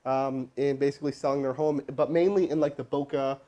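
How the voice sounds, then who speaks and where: A man hosting a live stream as a sales trainer, energetic and casual, with chatty asides to his crew. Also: medium pitch, brisk. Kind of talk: hyped live-stream coaching and cold calling. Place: indoor room with crew present.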